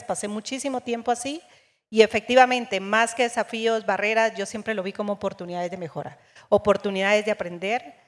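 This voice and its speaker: A woman from Guatemala, an executive, answering as a panelist in a fluent, composed way. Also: medium pitch. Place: conference stage. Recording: long hall reverb.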